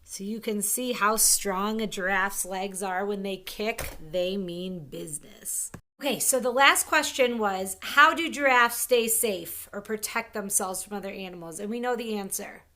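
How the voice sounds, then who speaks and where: A woman teaching an early-grade reading lesson, sounding out words slowly and clearly with an upbeat, encouraging manner. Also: mid-range voice, pushed and bright, slight background noise.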